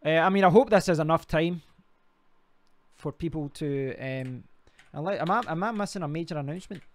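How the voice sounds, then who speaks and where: A man's voice: fairly high pitch, a little fast. A Scottish man hosting a casual live stream, rambling and talking to himself while clicking through sites. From Scotland. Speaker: crypto livestream host.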